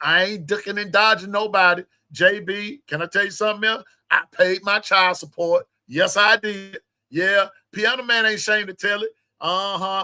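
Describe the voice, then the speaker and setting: In a dry, close recording with no echo, a man projects a raised voice at a high pitch, his tone bright and sharp and his intonation fairly even. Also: moderate pace. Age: 60s. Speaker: sports livestream host. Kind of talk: casual livestream chat.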